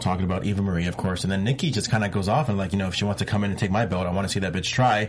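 With noticeable noise in the background, this man's fairly low voice shows ordinary pitch variation. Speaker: podcast host. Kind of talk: casual after-show chat.

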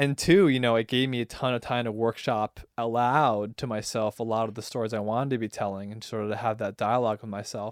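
The speaker talks at a fairly quick pace with a Californian accent. The sound is dry and close with no echo, on a very clean recording with a silent background. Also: man, medium pitch for a man. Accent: General American (Californian). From Southern California (San Bernardino). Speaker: TV producer and showrunner. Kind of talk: interview. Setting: studio.

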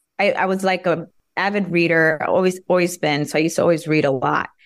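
In an American accent, a woman with a fairly low pitch and an unremarkable speaking voice talks at a moderate pace with ordinary pitch variation, on a very clean recording with a silent background. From New York. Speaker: actress. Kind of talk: interview.

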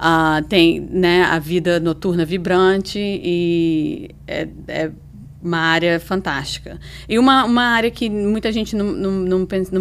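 A woman with a fairly low pitch talks at a very slow speed. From Brazil, Juiz de Fora, Minas Gerais. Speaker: real estate agent. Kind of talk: interview. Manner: halting, with fillers and English words.

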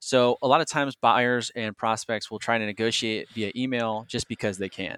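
A man's confident, bright, sharp voice at medium pitch and a moderate pace, with fairly even intonation, a dry, close sound with no echo, and a very clean recording with a silent background. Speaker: senior sales account executive. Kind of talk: interview on sales techniques. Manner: direct, confident.

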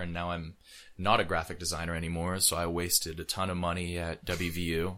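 On a very clean recording with a silent background, a man with an American accent speaks at a moderate pace in a bright, sharp tone with a very deep, low pitch. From West Virginia, Wheeling. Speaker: graphic designer and radio host. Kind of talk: casual chat. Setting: studio.

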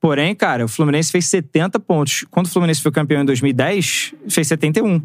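A man speaks at a moderate pace with hardly any pauses, in an ordinary speaking voice. His pitch is fairly high for a man, with ordinary pitch variation. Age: 30s. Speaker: sports journalist. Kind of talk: casual chat.

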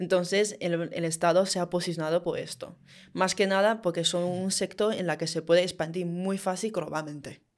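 At a fairly low pitch, a woman speaks in a monotone, flat way at a moderate pace. The recording is very clean with a silent background. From China, Wuhan. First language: Chinese (speaking Spanish). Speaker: tech sector worker. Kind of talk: casual interview.

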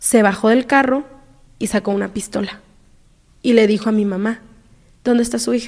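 This woman's voice sits fairly high, with a dark, mellow tone. She keeps a moderate pace and ordinary pitch variation. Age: 20s. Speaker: domestic violence survivor. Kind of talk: testimony. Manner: halting.

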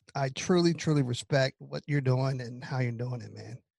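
The somewhat breathy voice of a man, fairly high in pitch with fairly even intonation, comes through a dry, close sound with no echo. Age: 50s. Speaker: podcast co-host, barber. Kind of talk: casual chat.

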